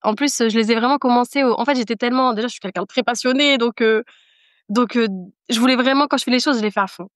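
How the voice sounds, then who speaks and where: A woman with a slightly high voice talks fast as a podcast guest, sharing an earnest, emphatic personal testimony in casual conversation and repeating phrases to drive them home. The studio-quality recording has no room sound.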